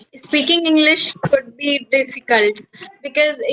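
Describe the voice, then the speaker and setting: A woman speaks in a raised, projected voice at a moderate pace. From India, Bihar. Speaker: English learner. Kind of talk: conversation practice. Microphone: network issues.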